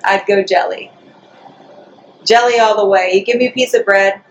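A woman guest in a casual interview, witty and argumentative, firing back quick comebacks. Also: mid-range voice, fairly even intonation, rough recording. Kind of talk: casual chat.

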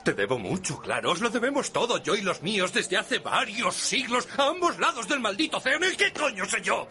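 A man's voice: high-pitched, big pitch swings, brisk, pushed and bright, soft background music, heavily acted. An actor in a dubbed TV drama playing a foul-mouthed gambler who wheedles for credit with a laugh in his voice. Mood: wheedling.

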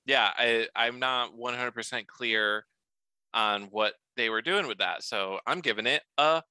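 A man's voice: mid-range voice, a little slow, clear, resonant tone, no room sound. A man co-hosting a podcast, reviewing a game in a playful, jokey way. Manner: playful, jokey, lively delivery. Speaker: podcast co-host. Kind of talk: casual podcast chat.

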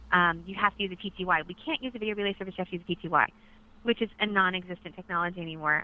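A woman voices a caller as a live relay interpreter. Her delivery is conversational and explanatory, halting at times before flowing on. The sound is dull and lo-fi, as over a telephone. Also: medium pitch. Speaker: sign language relay interpreter voicing a caller. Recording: dull radio-like telephone line.

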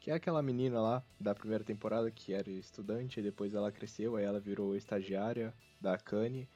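On a casual anime podcast, a Brazilian host jokes in a wry way at his own expense. His dark, low-leaning voice keeps a steady tone and runs a little fast. Music sits behind the dull, lo-fi recording.

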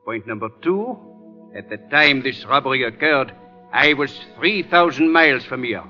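An actor playing a suave, cunning jewel thief on a 1940s radio drama, speaking in a mocking manner. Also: male voice, mid-range voice, expressive, normal speed, sharp tone, highs cut off, faint music behind. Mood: smug. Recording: old radio broadcast with long reverb.

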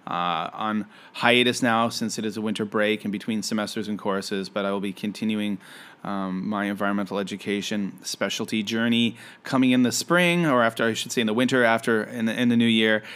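A man's voice: fairly low pitch, fairly even intonation, a little fast, fairly bright tone, smooth. A man from Canada hosting a casual solo podcast, talking in a friendly, rambling way with many fillers and restarts. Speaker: podcast host; environmental educator.

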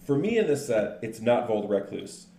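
A man co-hosting a podcast, chatting casually and explaining things in a relaxed way. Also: lowish voice, vocal fry. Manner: relaxed, explanatory, says card names in quick lists. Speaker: podcast co-host. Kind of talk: casual chat about card games. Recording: echoey room with faint noise.

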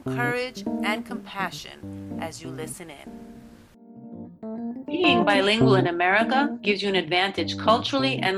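A woman hosting a podcast, reading a scripted introduction in a grateful, deliberate way. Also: medium pitch. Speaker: podcast host. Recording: voice over loud music.

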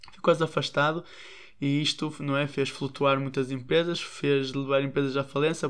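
Young man, European Portuguese accent, casual commentary, smooth and clear, hesitant delivery. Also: on the high side. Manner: hesitant, many restarts and fillers, addresses listeners directly.

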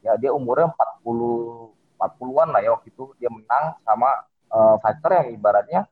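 Husky man on a tinny phone line. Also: medium pitch, fairly quick. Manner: rambling, many fillers and restarts. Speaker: podcast guest, fitness method founder. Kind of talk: casual interview talk.

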